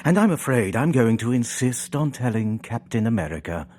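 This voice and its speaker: An actor playing a prim, disapproving butler in a comedy audio adventure, formal and indignant. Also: male voice, medium pitch, sing-song, moderate pace, darkish tone, slight background noise, close to an everyday voice.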